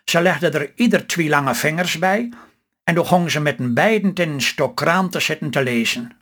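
An older man with a Stellingwerfs accent reading his own story aloud in a calm, measured way. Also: on the high side. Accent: Stellingwerfs Low Saxon.

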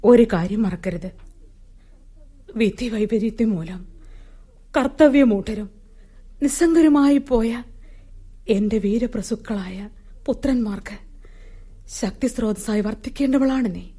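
A woman's voice: on the high side, measured pace, pauses often, mellow, husky. A woman with a Malayali accent, playing Kunti, a stern and proud royal queen mother, in a solemn, declamatory radio play delivery. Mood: lecturing. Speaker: radio drama actor. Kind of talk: 1970s-style radio drama acting.

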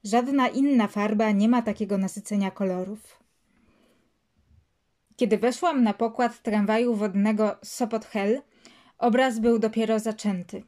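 A woman with a higher voice and a mellow, warm tone reads a literary passage aloud. She then reflects on it in a hesitant way, using many fillers and pauses. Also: fairly even intonation. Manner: hesitant commentary full of fillers. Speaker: reader and commentator.

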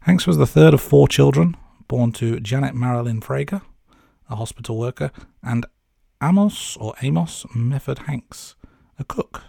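A man's voice: medium pitch, lively intonation, moderate pace, vocal fry, mellow, no echo, studio quality. A man presenting a podcast as co-host, moving between scripted narration and casual chat.

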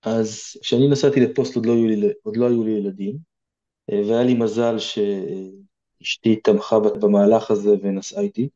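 A man's voice: on the low side, steady tone, dark tone, highs cut off. A man with an Israeli accent giving informal, direct advice as an interview guest, explaining things conversationally.

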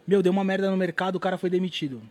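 A man, an artist guest telling stories in an animated, slangy way and swearing freely. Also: sits high, rapid-fire. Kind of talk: casual storytelling interview.

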